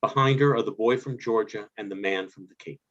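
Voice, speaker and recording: A man's voice: fairly low pitch, a little fast, fairly bright tone. A man reading stage directions as scripted narration over a video call. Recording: dull video call audio.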